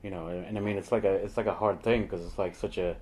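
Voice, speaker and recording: A man's voice: sits low, fairly even intonation, quick pace, darkish tone, a little hiss or hum. A young man hosting a casual podcast chat, hesitant and full of fillers and restarts. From Long Island, New York. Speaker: podcast host.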